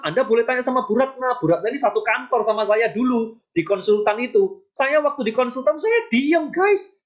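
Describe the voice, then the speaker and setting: A woman speaking as a business mentor in a motivational sales training talk, emphatic and chatty, putting rhetorical questions straight to her listeners. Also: medium pitch. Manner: acts out short sample dialogues.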